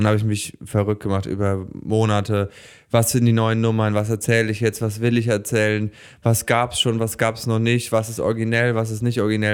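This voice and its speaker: A man speaks at a fairly quick pace in a fairly low pitch, flat and monotone. The recording is very clean, with a silent background. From Lower Franconia, Germany. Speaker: stand-up comedian. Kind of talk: casual chat.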